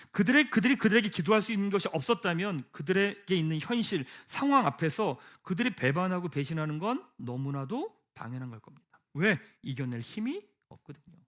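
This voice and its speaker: A man preaching a sermon as pastor, asking the congregation rhetorical questions and leading them in reading scripture aloud. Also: high voice. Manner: rhetorical questions, swings from hushed to emphatic. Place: church sanctuary.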